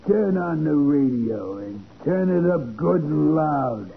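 An actor playing a brutish, eager gang thug with a rough, bullying manner in a 1940s radio crime drama. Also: male voice, on the high side, animated, slow, exaggerated voice. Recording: tinny old radio recording with music.

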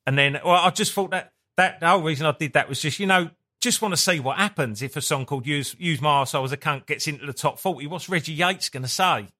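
Essex bloke being interviewed, sweary and rambly, bright voice a bit on the high side. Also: male voice, fast talker, hardly any pauses. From Essex, England. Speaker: guest, punk band singer. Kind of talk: casual interview chat.

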